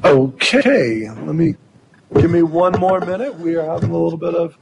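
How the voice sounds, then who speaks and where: A man's voice: fairly high pitch, moderate pace, creaky, a little hiss or hum. A man chairing a public committee meeting, loose and self-deprecating, a bit flustered as he runs the agenda.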